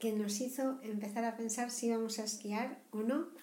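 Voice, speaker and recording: Speaking at a fairly slow pace, a woman with a fairly high pitch is heard with audible room echo. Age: 50s. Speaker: mother recording a personal video diary. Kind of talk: personal video diary. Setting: at home.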